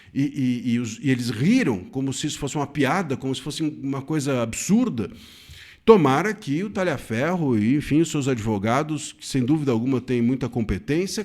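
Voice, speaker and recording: Emphatic Brazilian man with a lively voice. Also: medium pitch. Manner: earnest, emphatic, with frequent self-corrections and restarts. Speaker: legal commentator. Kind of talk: solo commentary to camera.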